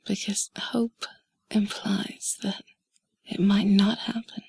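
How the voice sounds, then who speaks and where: A woman doing an intimate whispered role-play in a soft, breathy, sultry and soothing voice, speaking slowly and deliberately, close to the mic. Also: medium pitch, little pitch movement, no room sound. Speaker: intimate audio narrator. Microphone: close mic, dry.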